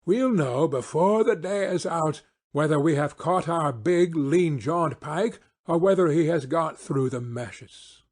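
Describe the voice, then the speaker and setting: A man's voice: on the high side, animated, measured pace, a little mellow. A man playing a confident, eager male detective in an audiobook, with commanding, precise phrasing. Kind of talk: audiobook character acting.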